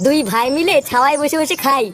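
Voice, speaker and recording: A man voicing a foul-mouthed, hot-tempered young man in a cartoon, loud and quick to curse. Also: very high-pitched. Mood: bossy. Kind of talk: cartoon voice acting. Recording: music playing behind.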